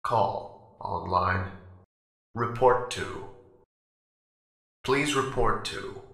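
A man voicing an impersonal facility announcer, reading out clipped, formal, measured announcements over a public address speaker in a video game. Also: on the low side, vocal fry, fairly bright tone, full character voice. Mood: flat, official. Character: impersonal male announcer of a secure research facility. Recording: echoey public address system.

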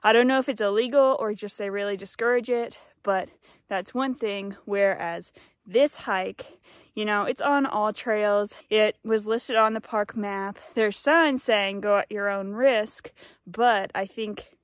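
A young adult woman chatting casually to camera as a solo hiking vlogger, somewhat out of breath, musing in short halting phrases. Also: mid-range voice, no room sound, clean studio sound. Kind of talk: casual vlog chat to camera while hiking. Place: outdoors on a snowy mountain trail. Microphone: handheld phone at arm's length.

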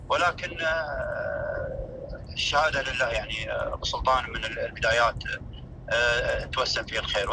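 A man, a former teacher on a phone call, speaking slowly and measured with many hesitations. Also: mid-range voice, background noise. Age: 50s.

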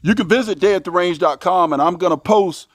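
Middle-aged American male, fairly high voice, folksy outdoor host commenting casually at a shooting range, dry sound with little echo. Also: brisk. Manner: folksy, exclamatory, addresses viewers as folks. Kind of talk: casual commentary to viewers while target shooting.

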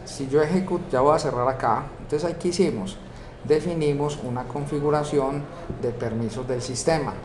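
Colombian male instructor, a bit high-pitched, step-by-step tutorial in an echoey room with constant noise behind. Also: normal speed, a little mellow. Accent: Colombian Spanish. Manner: explains step by step, asks rhetorical checks. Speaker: software course instructor. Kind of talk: screen-recorded coding tutorial.

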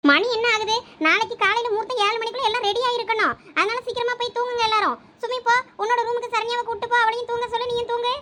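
A woman's voice: extremely high pitch, fairly even intonation, noisy background. A woman playing a busy mother who firmly sends everyone to bed before a wedding, in a village drama skit. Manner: firm, hurried.

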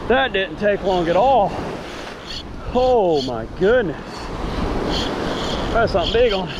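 A man hosting a fishing vlog, chatting casually and excitedly while casting and fighting fish from the surf. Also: sits high, takes it slowly, muffled recording. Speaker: fishing channel host. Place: sandy ocean beach outdoors at sunrise. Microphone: chest-mounted action camera. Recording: outdoor action cam with surf noise. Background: surf and waves.

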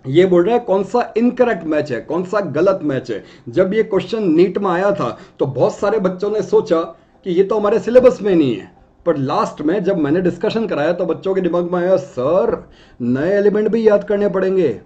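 A man's voice: sits high, expressive, moderate pace, warm tone, lo-fi sound. Chatty, joking male chemistry teacher. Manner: jokey, chatty, frequent check-ins with students. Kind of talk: casual teaching.

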